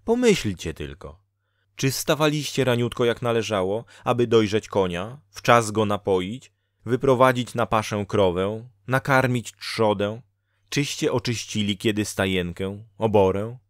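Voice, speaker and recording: A man's voice: on the low side, measured pace, no room sound, clean studio sound, voice pushed up, lightly acted. A man putting on Dola, a scolding fate spirit. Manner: lecturing, reproachful.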